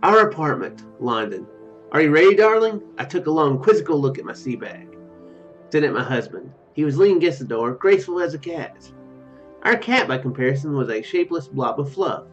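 Very animated and fairly quick, a young man with a fairly high-pitched voice reads game text and gives let's play commentary. His delivery is hesitant and rambling, full of trailing asides. He streams from a room at home, the dull lo-fi mic picking up game music too.

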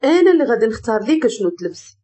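A woman with a Moroccan accent voicing a jealous, controlling young husband who speaks calmly and gives orders. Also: fairly high pitch, very fast. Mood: commanding. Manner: calm and commanding.

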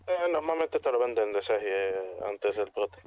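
A man's voice: fairly low pitch, expressive, measured pace. A man speaking Spanish in casual roleplay chat with fellow players in an online game. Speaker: roleplay gamer. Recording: dull radio-like game voice chat.

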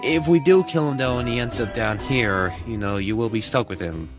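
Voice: mid-range voice, normal speed, close to an everyday voice. An actor playing a cocky, flippant male demon boss in a cartoon fan dub, sarcastic and breezy, with music behind. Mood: sly.

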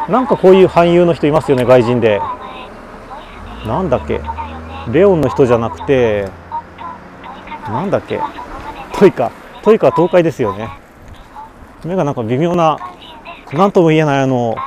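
A man with a medium-pitched voice livestreams a bike trip from beside a vending machine on a mountain road, making casual conversation and reacting to what viewers write. Captured on an action camera and webcam, the audio has a noisy background.

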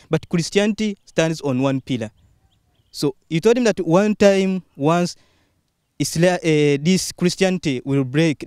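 A man's voice: fairly high pitch, darkish tone, smooth, no room sound, clean studio sound. A young man outdoors among an audience, earnestly telling a personal story into a handheld mic. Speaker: student in the audience. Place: outdoors among a seated crowd.

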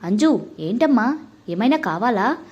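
A woman with a mellow, husky voice voicing a remarried father in a storybook reading. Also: on the high side, big pitch swings, unhurried, highs cut off, full character voice. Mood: coaxing. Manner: coaxing then curt. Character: widowed father, remarried, hurried and awkward.

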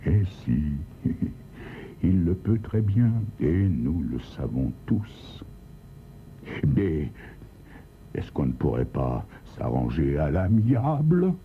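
A man's voice: very deep voice, big pitch swings, takes it slowly, pauses often, heavily acted. A man voicing a pompous, irritable store director who grumbles and blusters in a crime story reading. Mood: nervous, pleading. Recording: tinny lo-fi recording, faint hiss.

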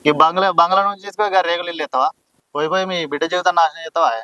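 Man playing caste-proud elder, rapid lecturing, slightly high voice. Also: steady tone, bright, forceful tone, dry recording, rough recording. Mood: scolding. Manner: scolding, lecturing. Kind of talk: village drama acting.

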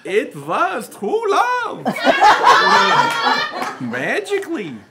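Slow, playful storybook narrator woman. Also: high-pitched, wildly swooping pitch, very noisy. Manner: playful, giggly reading. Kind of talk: storybook narration at a table read.

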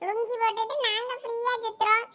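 ஒரு பெண் நடிக்கும் கிராமத்து இளைஞன், மிக உயர்ந்த குரலும் பளிச்சென்ற ஒலியும் கொண்டவன். பெருமையடித்துக் கொண்டு, கிண்டலாகவும், பொய்க் கோபத்துடனும் பேசுகிறான். நகைச்சுவை நாடகத்தில் கேட்கும் குரல் இது. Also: female voice, extremely high pitch, little pitch movement, fast, sharp tone. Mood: cocky. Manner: cheeky, show-off, mock-offended. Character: boastful village young man in a lungi. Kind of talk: comic skit acting.

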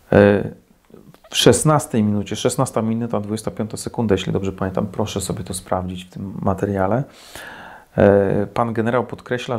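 A man's voice: on the low side, a little mellow. A man in his forties from Poland, giving scornful, sarcastic critical commentary to camera from a small indoor room. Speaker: defense commentator. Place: small indoor room, plain white wall.

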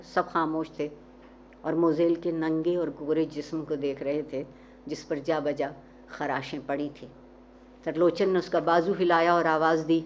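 A woman gives a measured, expressive reading of a literary short story. Her voice sits a little low. The recording sounds dull, with faint ambience underneath. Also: a little hiss or hum.

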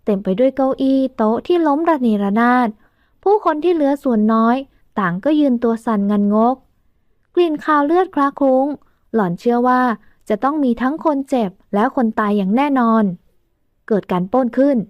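A woman narrates a romance audio novel in a high, steady voice. The recording is dry and slightly dull. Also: moderate pace, no echo.

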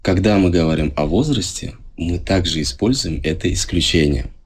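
A man teaching a language lesson in a relaxed, step-by-step way, often checking with his viewers. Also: low voice, normal speed, breathy edge. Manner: relaxed, explains step by step, asks the viewers questions. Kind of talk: casual video lesson. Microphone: voice-over over filmed handwritten notes.

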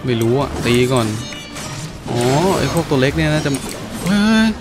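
A man giving casual let's-play commentary in an animated, exclamatory way, with playful muttering. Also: mid-range voice, normal speed. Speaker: gameplay commentator. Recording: game music behind the voice. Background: video game music.

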